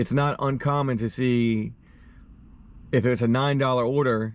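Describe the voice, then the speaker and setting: Recorded dry with no echo, a man speaks with fairly even intonation. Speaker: delivery driver vlogger. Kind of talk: casual vlog chat. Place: car. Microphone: camera far.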